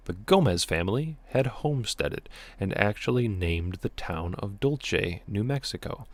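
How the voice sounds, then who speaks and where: A man hosting a live stream, reading out a story and chat comments in a relaxed, offhand way. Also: fairly low pitch, no room sound.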